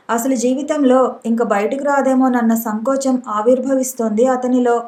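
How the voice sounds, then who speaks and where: Woman reading a novel in a flat voice. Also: a little high. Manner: steady, even reading. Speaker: audiobook narrator. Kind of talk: scripted narration of a novel. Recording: roomy echo.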